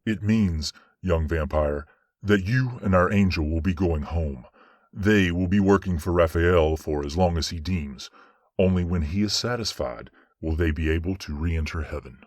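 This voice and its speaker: A man playing a stern but fair angel judge in an audio drama, speaking in a measured, commanding, formal way. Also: low-pitched, no room sound, clean studio sound. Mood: curious, gracious.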